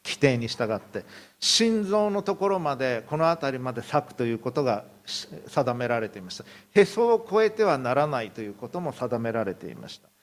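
A man's voice: medium pitch, big pitch swings, normal speed, hardly any pauses. A male pastor preaching a sermon, telling a story and acting out the people in it. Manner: storytelling, acts out quotes.

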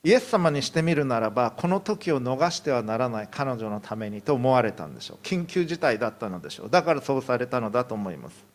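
A man's voice: medium pitch, big pitch swings, fast talker. A male pastor preaching a sermon, telling a story and acting out the people in it. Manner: storytelling, acts out quotes.

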